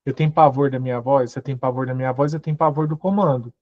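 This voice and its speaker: A man's voice: mid-range voice, steady tone, quick pace, dry recording. A man giving a motivational growth talk, asking the audience question after question. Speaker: personal growth speaker. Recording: dull, muffled audio.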